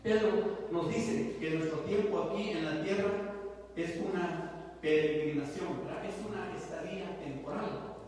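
A man's voice: fairly high pitch, a little slow, darkish tone. A man from Guatemala, preaching a Bible study in a conversational way and often checking in with his listeners. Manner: conversational, constantly tags with rhetorical questions. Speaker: lay preacher. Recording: echoey hall from far off, faint hiss.

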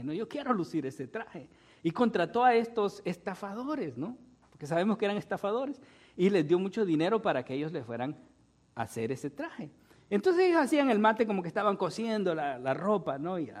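A man's voice: sits high, a little mellow. A male pastor preaching a sermon, retelling a fable and tagging his sentences with "¿no?". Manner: storytelling with frequent "¿no?" tags.

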